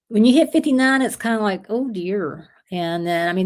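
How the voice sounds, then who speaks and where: A woman with a normal speaking voice talks at a medium pitch with lively intonation. The recording is very clean, the background silent. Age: 60s. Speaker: livestream host, diamond painting hobbyist. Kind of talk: casual chat, reading viewer comments.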